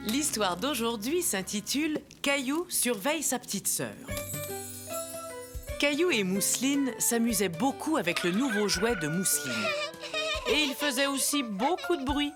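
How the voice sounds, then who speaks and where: A woman's voice: a little high, animated, a little slow, music in the background. A woman playing a grandmother who narrates children's storybook tales in French in a cartoon. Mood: storytelling.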